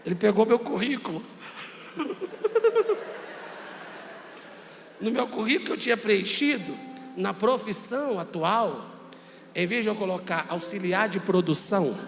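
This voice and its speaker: A man, a pastor telling a humorous story in a sermon, lively and acting out voices. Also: sits high, takes it slowly, gravelly, long pauses. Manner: lively comic storyteller who acts out voices. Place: church. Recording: reverberant church hall, faint room noise.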